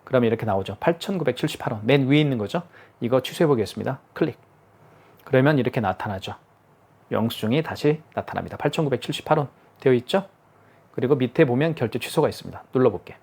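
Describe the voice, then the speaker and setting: A man's voice: mid-range voice, animated, fast, a little mellow, breathy edge. Man patiently demonstrating a card terminal. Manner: patient step-by-step explaining, repeats himself. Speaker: product demonstrator. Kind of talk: hands-on product tutorial.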